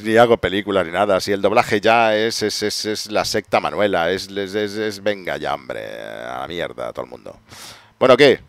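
Low-pitched and creaky, this Spanish-accented man from Spain streams a game live, tired-sounding as he rambles through self-deprecating banter. It is casual gameplay commentary in a dry recording.

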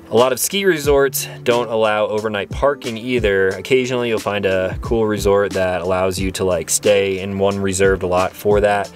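A man in his thirties talks in a fairly low voice. He chats informally, as a vlogger does to his followers, from inside a small truck camper. Some music plays behind him. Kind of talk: casual chat to camera.

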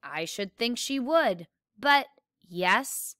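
A woman voicing a calm, soft-spoken middle-aged father in a read-aloud novel. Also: on the high side, very slow, smooth, no room sound, clean studio sound, pitched above the performer's own voice, exaggerated voice.

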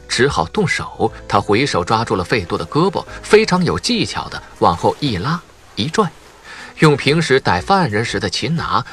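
A man's voice: medium pitch, a bit bright. A man reading a novel aloud as an audiobook narrator, in a scripted, dramatic storytelling style.

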